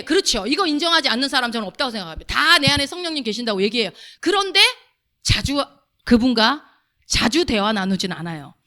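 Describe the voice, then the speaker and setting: A woman's voice: sits high, bright, forceful tone. A woman pastor preaching a sermon to her congregation, asking them questions as she goes. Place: church sanctuary.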